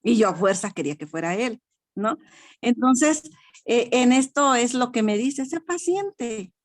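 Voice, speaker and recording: A woman's voice: fairly high pitch, moderate pace, no echo. Frank older Mexican woman, dry sound. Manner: frank and self-deprecating, laughs often. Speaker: study group participant. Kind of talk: personal spiritual testimony.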